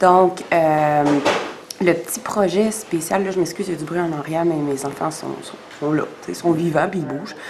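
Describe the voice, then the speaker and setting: Noticeable background noise and audible room echo surround a woman speaking at a moderate pace with a Quebec accent. Her fairly low voice keeps a fairly even intonation while the loudness swings widely. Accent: Québécois French. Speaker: vlogger. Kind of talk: casual vlog voiceover. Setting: home, recording while editing. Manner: halting, many fillers.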